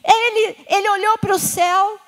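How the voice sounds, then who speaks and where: Woman, Brazilian Portuguese accent, high voice, fervent sermon, call and response. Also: steady tone, measured pace, a bit bright. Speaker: preacher.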